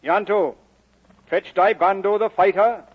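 A man's voice: sits high, steady tone, a little slow. An actor playing a stern, proud Welsh father in a vintage film drama, commanding and lilting. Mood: firm. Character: stern, proud working-class Welsh father of many sons. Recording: dull vintage film soundtrack.

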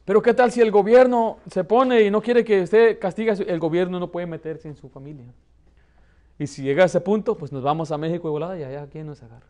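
A man in his thirties who grew up in the United States, preaching a lively sermon from a pulpit with a Mexican Spanish accent. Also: high-pitched, fast talker. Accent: Mexican Spanish, learned in the United States. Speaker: pastor. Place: church hall, plain indoor room.

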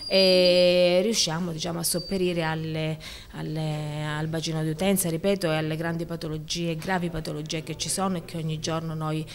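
A woman's voice: low voice, little pitch movement, normal speed, few pauses, a little hiss or hum. A woman in her forties, an emergency room doctor, answering a reporter in a hospital corridor and hesitating over her words with many fillers and restarts. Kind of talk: on-the-spot news interview. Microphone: handheld reporter microphone.

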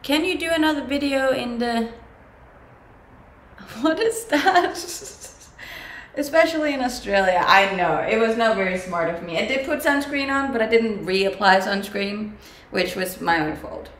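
A woman's voice: fairly high pitch, animated, measured pace, fairly bright tone. A young woman with a Danish accent, chatting casually on a livestream and answering viewer comments, laughing often. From Denmark. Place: home kitchen, indoors. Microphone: webcam at desk distance. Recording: echoey kitchen with faint background hum.

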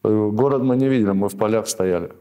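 A man in his thirties, a prisoner of war being interviewed in a small office, answering in halting, rambling sentences full of restarts. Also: lowish voice, dark tone. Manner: hesitant, rambling, many restarts and fillers.

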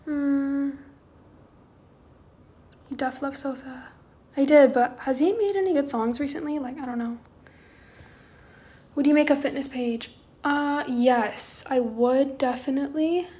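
A woman in her twenties chatting casually on a livestream from her bedroom, soft and drowsy, often trailing off. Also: sits high, unhurried, long pauses. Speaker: livestream host. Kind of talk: casual chat answering viewer comments. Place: small bedroom indoors. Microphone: phone held close, front camera.

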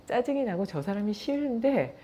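A middle-aged woman, a yoga and meditation teacher, talking casually and calmly, telling stories and acting out what people said. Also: a little high, moderate pace, a little hiss or hum. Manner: anecdotal, calm, with acted-out quotes. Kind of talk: casual talk to viewers.

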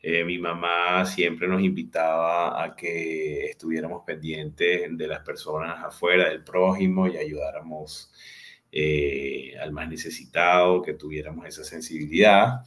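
A man in his forties with a Venezuelan accent, telling his life story as a guest on a video call, unhurried and full of hesitant fillers. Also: rumbling low, flat delivery, fairly bright tone. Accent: Venezuelan Spanish. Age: 40s. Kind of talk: personal storytelling in an interview. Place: home room with a large window. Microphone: video call webcam.

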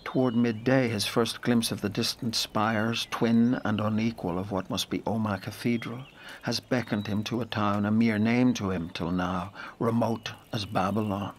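An actor as deep brooding storyteller. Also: male voice, steady tone, slight background noise, lightly acted. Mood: brooding, measured. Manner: measured, lyrical, deliberate phrasing. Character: brooding male storyteller of a boy's lonely journey. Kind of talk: literary audio drama narration.

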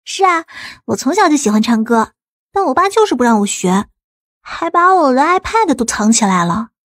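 Woman voicing a high, lively teenage village girl. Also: normal speed, no echo, studio quality, full character voice. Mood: eager, complaining. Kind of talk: audiobook character dialogue.

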